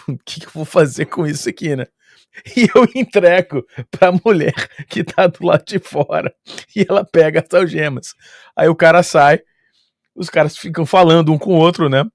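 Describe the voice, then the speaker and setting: A man with a Brazilian Portuguese accent telling a travel story in a casual, lively way, chuckling often and using sound-effect filler words. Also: a little high, dry recording, clean studio sound.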